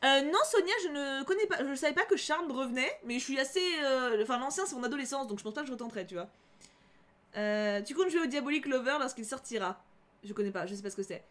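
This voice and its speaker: A bubbly young woman streams a story game, reading its text aloud and chatting to her viewers in between. Her voice is high and chatty, and she gushes easily. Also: expressive, quick pace, fairly bright tone. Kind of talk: live gameplay chat and reading aloud.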